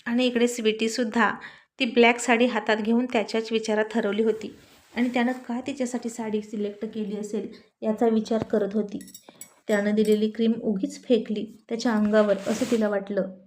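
A woman narrates a serialized family romance aloud, reading expressively. Her voice sits fairly high, and she drops English phrases into her telling. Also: level tone, brisk, darkish tone. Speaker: storyteller. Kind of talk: storybook narration.

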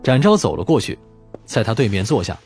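Expressive, slightly husky male storyteller. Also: on the low side, fairly quick. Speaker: audiobook narrator. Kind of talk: scripted audiobook narration of a crime novel. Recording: music playing behind the voice. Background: background music.

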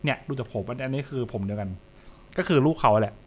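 Here a young male streamer talks fast at medium pitch, giving casual live commentary on horror comics. He thinks out loud, repeating little phrases, while music plays.

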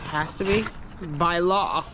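A woman's voice: lowish voice, takes it slowly, background noise. A woman off camera teasing and bantering with her partner as they go through a storage unit. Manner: teasing, laughs a lot. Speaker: co-host off camera. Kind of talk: casual banter. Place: outdoor storage facility.

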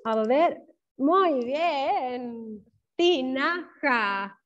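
Chilean woman teacher, high voice, unhurried, dull video-call sound. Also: lively intonation. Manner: encouraging, praises pupils by name; stretches words out slowly, syllable by syllable. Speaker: primary school teacher. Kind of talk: online class for young children.

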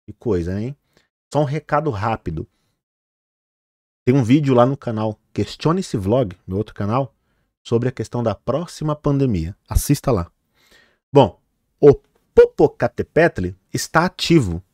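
A man's voice: medium pitch, lively intonation, measured pace, long pauses, a little mellow, no room sound, clean studio sound. Chatty man commenting over news footage. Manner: chatty, fillers like "né" and "olha, gente"; trips over hard names. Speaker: vlogger.

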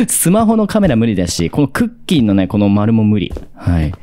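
A young man narrates his way through a horror game. He is excitable, breaking into loud, jumpy reactions, and his pitch swings wildly from deep murmurs to high yelps. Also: normal speed. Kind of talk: game commentary.

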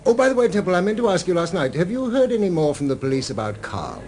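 Man, evasive polite gentleman, radio mystery, rapid speech, highish lively voice. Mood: courteous. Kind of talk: radio drama acting.

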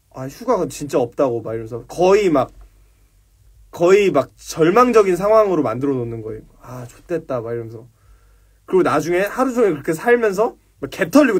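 Husky-voiced young man telling a story. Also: fairly high pitch. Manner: rambling, profane, acts out quoted dialogue. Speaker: livestream host. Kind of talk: casual livestream storytelling.

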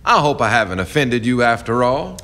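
Man acting as riverboat captain, radio play, confident, smooth-talking, lively pitch, bright. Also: brisk. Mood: genial, courtly. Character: confident, charming, proud riverboat captain, male. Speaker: actor. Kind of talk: stage-like radio drama acting.

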